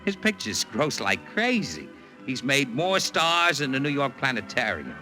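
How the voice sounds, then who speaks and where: A brash, slangy Hollywood agent. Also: male voice, mid-range voice, very animated, measured pace, sharp tone. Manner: brash slangy patter, calls listener doll. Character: fast-talking male Hollywood talent agent, brash. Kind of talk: 1940s radio acting. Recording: old radio transcription with music.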